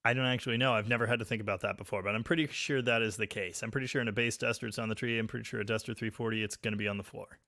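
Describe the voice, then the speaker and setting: A man hosting a live stream, chatting casually and reading viewer comments, with a very loud voice recorded on a phone. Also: lowish voice, fairly even intonation, rapid-fire, hardly any pauses, no echo, studio quality. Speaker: livestream host reading chat. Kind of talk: casual live chat about cars. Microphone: phone microphone.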